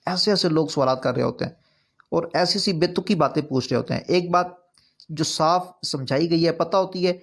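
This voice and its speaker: This man's voice is a little high with noticeable vocal fry. Teaching a recitation course online, he earnestly explains each point and repeats it with growing emphasis; Urdu isn't his first language.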